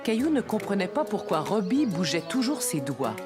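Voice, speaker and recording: A woman's voice: medium pitch, normal speed, music in the background, lightly acted. A woman playing the kindly narrator of a children's cartoon, telling the story expressively in scripted French. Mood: storytelling. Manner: expressive, clearly told storytelling.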